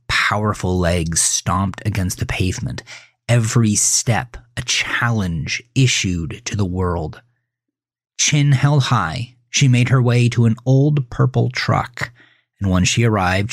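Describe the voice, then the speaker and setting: Deep-voiced, slow male horror narrator. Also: no echo, clean studio sound. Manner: deliberate, dramatic storytelling. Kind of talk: scripted horror fiction narration. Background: music.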